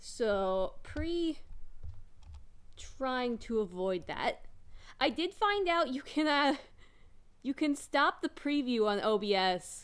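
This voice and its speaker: A quiet woman speaks at a very slow pace, her pitch swinging very widely. The recording is very clean, with a silent background. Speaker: video game streamer. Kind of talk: live gameplay stream commentary. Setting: live stream. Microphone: voice sounds good on stream.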